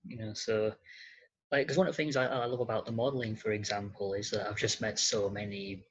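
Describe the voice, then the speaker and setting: The recording is a little dull and muffled. A man with a fairly low, husky voice chats casually as an interview guest. He speaks in a halting, hesitant and understated manner. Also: fairly even intonation. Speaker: podcast guest, model and actor.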